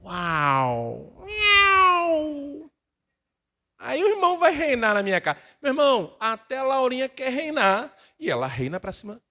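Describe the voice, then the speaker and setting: A middle-aged male pastor preaching a sermon, acting out family members' voices in lively bursts. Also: very high voice, fairly quick, hardly any pauses.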